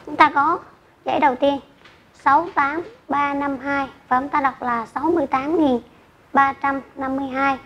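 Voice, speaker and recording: A woman teacher giving an online math lesson to children, speaking slowly and carefully and reading out numbers digit by digit. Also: sits high, fairly even intonation. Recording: dull lo-fi recording with faint noise.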